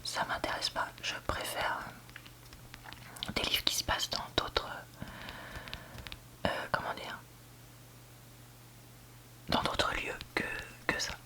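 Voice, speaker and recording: A book reviewer giving a candid, hesitant ASMR review in a soft library whisper, often searching for words. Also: takes it slowly, long pauses, rough recording. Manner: soft library whisper, almost entirely unvoiced. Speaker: book reviewer, video host.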